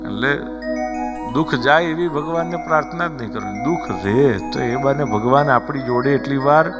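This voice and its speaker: A man's voice: mid-range voice, normal speed. A man giving a devotional sermon, telling a story and asking and answering his own rhetorical questions before a seated audience. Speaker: religious storyteller preacher. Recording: hall reverb with music behind.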